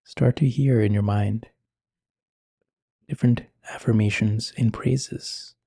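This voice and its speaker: Soft, husky man guiding meditation. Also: on the low side, fairly even intonation, dry recording. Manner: slow, gentle, measured with long pauses. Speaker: meditation guide. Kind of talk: guided meditation.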